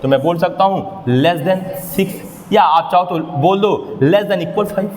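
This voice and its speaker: A man's voice: high-pitched, slow, a little mellow, a little hiss or hum. A man teaching a maths class, explaining step by step and often questioning his students, with motivational asides. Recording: echoey room, long reverb.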